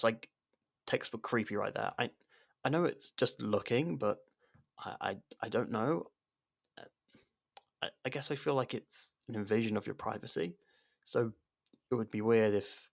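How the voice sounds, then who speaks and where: A man's voice: on the low side, vocal fry, husky, heavily acted. A man acting a nervous, awkward, secretly obsessive young lover in an intimate ASMR roleplay, stammering and backtracking as he talks. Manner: stammering, hesitant, self-conscious, backtracking. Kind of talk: ASMR roleplay, intimate one-sided dialogue.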